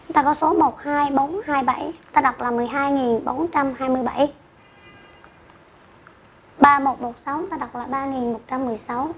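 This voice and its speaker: A high-pitched woman teacher leads an online math lesson for children. She speaks slowly and carefully, reading numbers out digit by digit. The recording is dull and lo-fi, with a faint hiss behind her.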